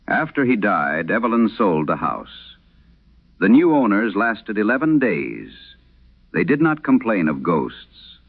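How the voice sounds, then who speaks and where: A man voicing an aging, sorrowful Catholic priest and exorcist, telling a horror radio story gravely and with dramatic pauses. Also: fairly low pitch, phone-quality sound, pitched above the performer's own voice, exaggerated voice. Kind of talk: solemn first-person horror radio storytelling. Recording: band-limited vintage radio sound.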